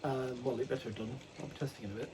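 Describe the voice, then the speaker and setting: A man's voice: mid-range voice, fairly even intonation, very fast, noisy background. A man casually vlogging about his model railway hobby, rambling and correcting himself with many ums. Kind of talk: casual unboxing chat.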